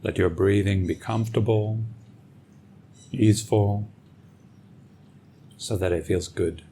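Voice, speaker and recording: A man leading a guided meditation as a teacher, speaking gently and soothingly with long pauses, over music. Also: on the low side, steady tone, a little hiss or hum. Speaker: meditation teacher and podcast host. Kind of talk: guided meditation, calm instruction.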